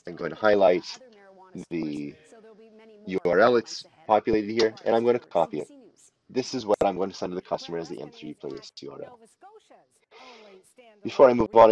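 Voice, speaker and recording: A man presenting an unscripted software walkthrough, explaining each step in a deliberate, instructional way. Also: low voice, muffled recording. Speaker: tutorial presenter. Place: voice-over for a screen recording.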